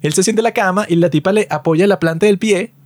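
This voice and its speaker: A man's voice: quick pace, dry recording. A man co-hosting a casual chat show, retelling scenes animatedly and acting out the characters. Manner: animated retelling, acts out scenes with raised pitch. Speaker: podcast co-host.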